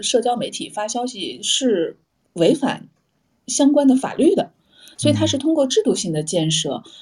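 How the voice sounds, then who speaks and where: Her pitch high and her tone dark and mellow, a woman speaks at a fairly slow pace with very wide pitch swings. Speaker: columnist. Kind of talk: casual chat. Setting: remote call across time zones.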